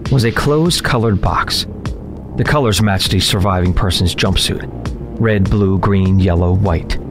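A low-voiced working man, played by an actor, recounts his ordeal in a deadly horror drama. He narrates in the first person, tense and determined, with prominent music underneath. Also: natural voice.

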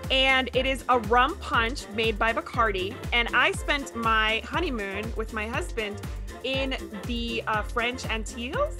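A woman in her thirties from Ecuador, a native Spanish speaker with a slight accent, hosting a casual video-call chat in an upbeat, animated way. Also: a little high, measured pace, music in the background. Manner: bubbly, animated, laughs often. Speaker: host. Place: home studio with shelves.

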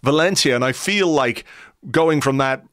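Host, middle-aged man, resonant smooth voice, dry close mic, unhurried wordy questioning. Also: mid-range voice, a bit bright, no room sound. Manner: measured, wordy questions with restarts. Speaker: podcast host. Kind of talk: conversational interview.

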